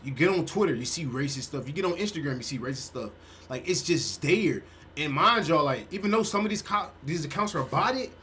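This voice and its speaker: A man in his twenties, a streamer giving casual reaction commentary, animated and peppering his talk with "bro". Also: a little high, a little hiss or hum. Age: 20s. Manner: animated, swearing, says "bro" often.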